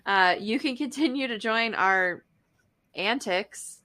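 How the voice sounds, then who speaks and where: A woman's voice: a little high, takes it slowly, bright, forceful tone. A woman co-hosting a podcast in casual chat, with an informal, playful way of talking. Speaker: podcast co-host.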